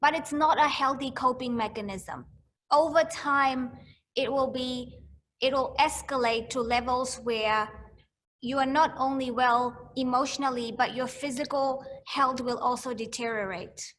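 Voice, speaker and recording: High-voiced woman explaining calmly. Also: a little slow, slight background noise. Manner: repeats phrases to stress points. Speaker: mental health educator. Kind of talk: explanatory talk to students.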